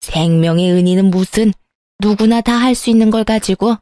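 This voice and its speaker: A woman's voice: mid-range voice, normal speed, mellow, dry recording, studio quality, lightly acted. A woman voicing a petty, spiteful older mother-in-law who scolds with scorn in a storybook tale. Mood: sulky.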